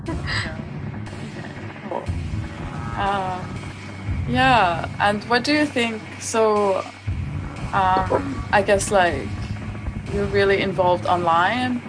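Slow-talking woman interviewer over loud music. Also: medium pitch, rough recording. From Lebanon. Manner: chatty, with frequent fillers and laughs. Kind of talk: casual interview. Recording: music playing loudly behind.

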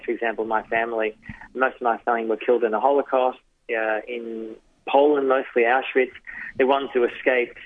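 A man's voice: medium pitch, dry recording. A man, giving thoughtful interview answers in short phrases as a journalist and author. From Australia. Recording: dry tinny phone-line sound.

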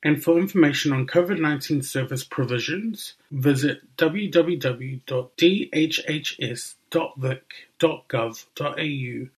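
Husky-voiced male podcast host. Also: fairly high pitch, low-quality recording. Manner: reads from script, clear and measured. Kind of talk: scripted host narration. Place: radio studio.

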